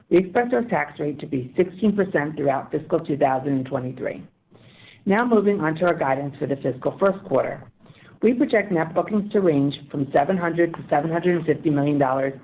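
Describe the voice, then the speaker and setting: A woman executive reading a scripted financial report in a formal, measured way over a conference phone line. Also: deep voice. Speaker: company financial executive on earnings call.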